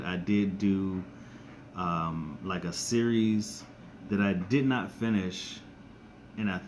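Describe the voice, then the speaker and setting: A man chatting casually on his live stream, his voice raspy and monotone from a scratchy throat, talking haltingly with many ums and restarts. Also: sits low. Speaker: YouTuber doing a live stream. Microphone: close to the screen and device.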